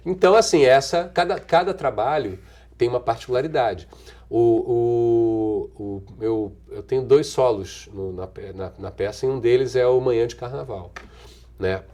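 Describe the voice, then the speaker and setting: A middle-aged Brazilian actor and singer, speaking with a Brazilian Portuguese accent, gives relaxed, conversational interview answers. His mid-range voice has a darkish tone, and he answers thoughtfully with restarts, trailing pauses and frequent chuckles.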